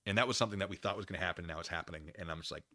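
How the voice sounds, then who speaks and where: An American man hosting a casual livestream, rambling through commentary and chat comments in an animated, digressive way and often losing his thread. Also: low voice, rapid-fire, no echo, studio quality. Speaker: livestream host.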